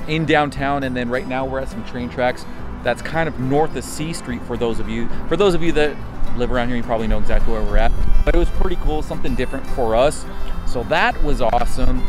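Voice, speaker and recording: A man's voice: medium pitch, poor audio. A man in his thirties with an American accent, chatting casually to a camera as he vlogs. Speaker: vlogger. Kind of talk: casual vlog chat. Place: car, waterfront and streets outdoors. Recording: music behind the voice.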